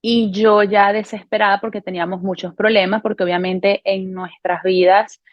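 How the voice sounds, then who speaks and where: A woman in her thirties from Venezuela gives a personal faith testimony to camera, in an earnest, unhurried way with frequent hesitations and self-corrections. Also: mid-range voice, flat delivery, no room sound, muffled recording. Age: 30s. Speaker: testimony speaker. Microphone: camera recording.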